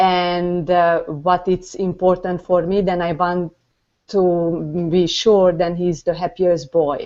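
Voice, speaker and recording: The speaker talks very slowly in a Hungarian accent with monotone, flat intonation. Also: woman, fairly low pitch for a woman. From Hungary. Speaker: entrepreneur mom. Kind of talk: casual chat. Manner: halting. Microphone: says she hears an echo.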